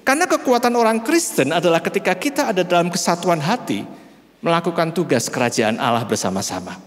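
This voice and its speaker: A middle-aged male pastor with a Central Javanese accent preaches in a slow, measured way and keeps addressing his listeners directly. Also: on the high side, sing-song. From Central Java, Indonesia. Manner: slow, measured delivery, often calls listeners "brother". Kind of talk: sermon. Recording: reverberant church hall.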